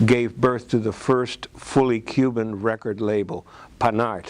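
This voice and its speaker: Noticeable background noise is heard throughout. The man speaks fairly slowly, his intonation fairly even. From Cuba. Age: 60s. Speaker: film and music figure. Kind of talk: autobiographical storytelling. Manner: halting, many fillers.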